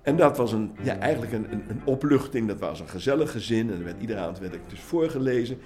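A man in his eighties from the Netherlands, giving personal testimony, halting with frequent restarts and lively when retelling scenes. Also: on the low side, soft background music. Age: 80s. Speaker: interviewee.

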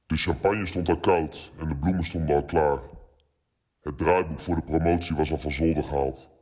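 A former footballer telling a recorded anecdote in measured, dramatic storytelling, his voice disguised by a voice changer that makes it very deep. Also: fairly even intonation, darkish tone, breathy edge. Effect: voice changer making the voice very deep.

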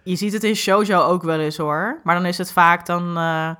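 A woman co-hosting a casual podcast chat, lively and opinionated, speeding up when she makes a point. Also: on the low side, moderate pace. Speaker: podcast co-host.

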